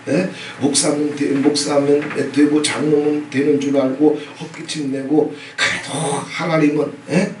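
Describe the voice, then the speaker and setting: Middle-aged male pastor, emphatic sermon with audience prompts, echoey church recorded from a distance. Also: a little high. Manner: emphatic preaching with repeated "예?" prompts and sudden loud bursts. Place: church sanctuary. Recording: echoey hall, from a distance, faint noise.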